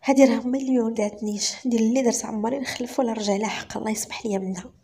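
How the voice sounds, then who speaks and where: A woman's voice: fairly high pitch, fairly even intonation, very fast, husky. A woman voicing a meek young Moroccan orphan. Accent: Moroccan Arabic. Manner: soft, quiet, humble. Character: young orphan girl, meek and soft-spoken.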